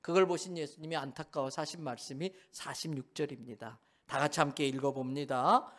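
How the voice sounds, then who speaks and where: A man's voice: a little high, a little fast, a bit bright. A male pastor preaching a sermon in a church sanctuary, telling a story with animation and firing questions back at the congregation.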